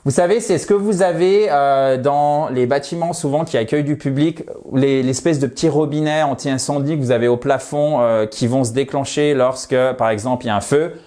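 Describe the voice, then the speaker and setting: A French man teaching English vocabulary. He switches between chatty explanations and slow, drilled repetition of words. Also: mid-range voice, dark tone. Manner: slows down to model words, drills pronunciation; chatty, asks rhetorical questions. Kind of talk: vocabulary lesson.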